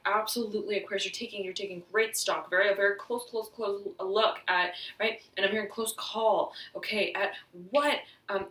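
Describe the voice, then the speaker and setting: A woman giving an intuitive tarot reading, halting and searching as she talks, slightly hoarse, often saying "right" and "I'm hearing.". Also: medium pitch, fairly bright tone, far from the mic. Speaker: tarot reader. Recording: roomy echo, voice off-mic.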